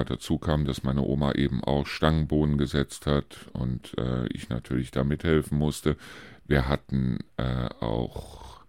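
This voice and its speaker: A man's voice: rumbling low, vocal fry, a little mellow, no room sound, studio quality. A man in his fifties from Germany, hosting a casual podcast monologue, rambling and chatty with frequent hesitations. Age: 50s. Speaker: podcast host.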